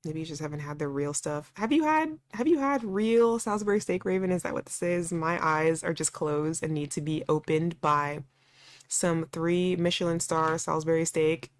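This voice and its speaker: A woman with a slightly low voice plays a visual novel for viewers. She reads the text aloud and breaks off into casual, animated commentary. Her reactions come across as exasperated. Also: moderate pace. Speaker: streamer playing and reading aloud a visual novel. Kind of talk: let's play reading with casual commentary.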